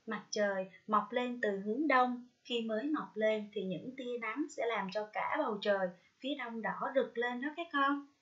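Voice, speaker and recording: Woman teacher from vietnam reading a lesson to little kids, sounds out each syllable slow and gentle, kinda muffled lo-fi sound. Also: fairly high pitch. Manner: slow, careful syllable-by-syllable pronunciation drills; gentle, coaxing address to young pupils. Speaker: primary school teacher. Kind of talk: recorded reading lesson for first graders. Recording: dull lo-fi recording.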